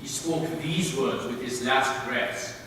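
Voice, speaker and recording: A man's voice: mid-range voice, pushed and bright. A man on stage playing a fierce tribal warrior haunted by killing, declaiming solemnly in a dramatic recital. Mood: bewildered. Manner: slow, solemn, declamatory delivery. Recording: very echoey hall from far off, faint noise.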